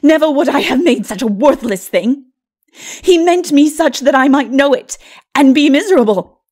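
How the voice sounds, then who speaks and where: A woman voicing a bitter, proud, anguished princess in a dark fantasy audiobook, gasping out her words in defiant bursts. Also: sits high, lively intonation, moderate pace, pitched above the performer's own voice.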